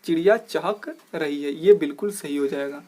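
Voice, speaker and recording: A man teaching an exam-prep grammar lesson as host of his channel. He asks rhetorical questions, keeps saying "look here", and slows down to stress each corrected phrase. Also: on the high side, dark tone. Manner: explanatory, repeats "dekhiye", slows down to stress corrected words.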